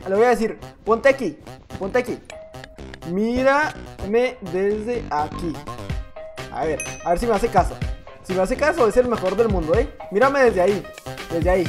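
A man with a Mexican accent giving playful, teasing gameplay commentary as a gaming YouTuber. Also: high-pitched. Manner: playful, teasing, jokey banter.

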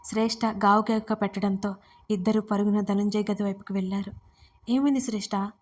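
A woman storyteller reading a romance audio story in a steady, even manner. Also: medium pitch, fairly quick.

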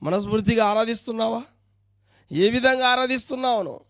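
Man, pastor, high voice, smooth and resonant, dry close recording, preaching with pointed questions. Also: quick pace, sharp tone, no echo. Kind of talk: sermon.

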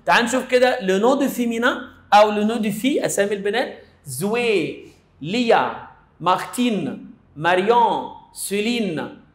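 A man with an Egyptian Arabic accent giving a playful, casual French lesson, explaining slowly with little stories. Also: sits high, animated, echoey room. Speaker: French teacher.

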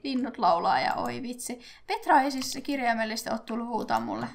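A woman's voice: on the high side, animated, gravelly. A young woman casually chatting her way through a Let's Play, giggling and talking to the characters on screen. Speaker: gaming YouTuber.

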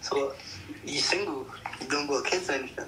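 A man's voice: mid-range voice, normal speed, bright, forceful tone, echoey room, rough recording. A nineteen-year-old man with a London accent, chatting on a video call in a laid-back, mumbling way. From England. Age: teens. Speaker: video chat stranger.

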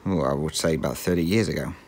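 A middle-aged Englishman whose speech carries a faint Australian twang talks in a very low voice. He rambles casually while stitching, restarting sentences, filling pauses with ums and chuckling often. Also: darkish tone, breathy edge. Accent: English with a slight Australian twang. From England. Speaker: cross-stitch vlogger.

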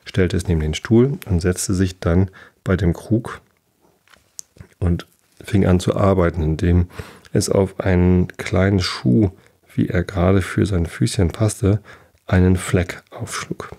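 Man, bedtime story reader for a sleep podcast, dark mellow deep voice. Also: creaky. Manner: slow, even reading with small slips. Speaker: podcast host. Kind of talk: calm bedtime story reading.

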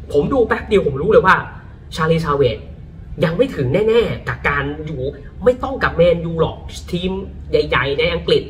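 A man talking about football in a casual, lively way, often breaking into exclamations. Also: sits high, recorded from a distance. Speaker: football pundit. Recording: voice a bit off-mic, faint music behind.

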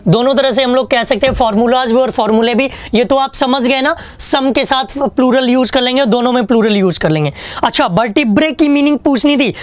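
A man's voice: very high-pitched, dry recording. A man teaching an online exam-prep English lesson, chatty and joking, asking questions and answering them himself. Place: online class studio with a whiteboard.

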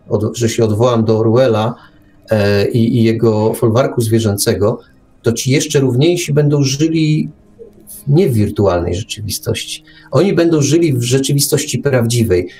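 A man's voice: mid-range voice, a little mellow. A man hosting an opinionated radio discussion, putting rhetorical questions straight to his listeners. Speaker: talk show host. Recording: music under the talk. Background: music.

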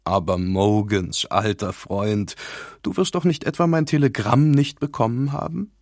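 A man voicing a vain, smug rival who taunts with mock surprise, in a lowish voice. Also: fairly even intonation, unhurried, a little mellow, no echo, clean studio sound. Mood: teasing. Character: smug, mocking male rival, a vain show-off.

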